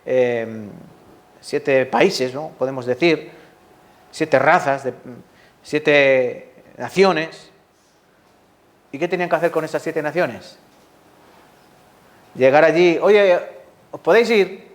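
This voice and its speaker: A man preaching a sermon, lively and full of rhetorical questions to the congregation. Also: medium pitch. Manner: lively, asks the audience rhetorical questions, acts out quotes.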